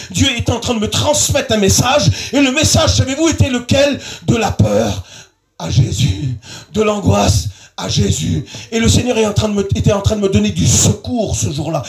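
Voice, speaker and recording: A man with a strikingly high voice preaches an evangelistic sermon under a large tent. His delivery is fervent and repetitive, climbing into shouts and sing-song cadences. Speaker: pastor. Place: large tent at an evening revival meeting.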